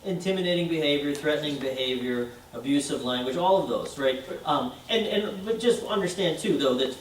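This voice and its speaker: Male council chair, halting, agreement-seeking; distant mic in an echoey chamber. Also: on the high side, expressive. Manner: hesitant, many fillers, seeks agreement with "right?". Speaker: council chair leading the meeting. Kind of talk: meeting discussion. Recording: roomy chamber audio from far off with faint hiss.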